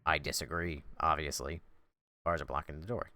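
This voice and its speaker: A man streaming a video game, talking in a dry, monotone way with casual swearing while answering chat. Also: extremely low pitch, normal speed, dry recording. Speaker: gameplay streamer.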